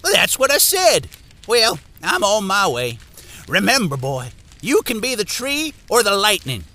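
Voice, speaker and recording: A man's voice: sits high, huge pitch swings, a little slow, sharp tone, heavily acted. An actor playing an eerie, folksy man who foretells storms in a menacing, dramatic manner for an audio drama. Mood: foreboding, gleeful.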